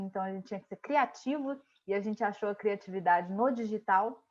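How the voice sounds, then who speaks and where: With a Minas Gerais accent, a woman of medium pitch talks at a fairly quick pace with ordinary pitch variation. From Minas Gerais, Brazil (Uberlândia). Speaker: marketing specialist and HR manager. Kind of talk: podcast conversation.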